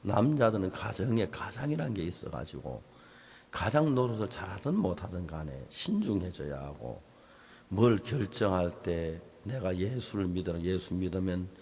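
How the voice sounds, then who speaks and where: A male pastor gives a sermon in a gravelly voice, his pitch leaping high and dropping low as he tells a story. He acts out both sides of conversations. He swings between loud bursts and hushed, whispered asides. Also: sing-song, normal speed. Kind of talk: sermon at a Bible seminar.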